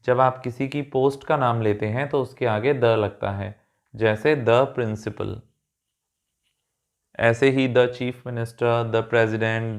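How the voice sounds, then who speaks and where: A man teaching English grammar in Hindi with an Indian English accent, patiently repeating points and checking that learners follow. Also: mid-range voice.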